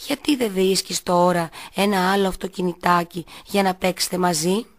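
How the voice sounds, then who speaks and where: A calm, patient mother in a children's radio story, gently scolding and explaining, read by a woman in her own voice. The tone is low and even. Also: lightly acted. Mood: gentle. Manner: soothing, admonishing.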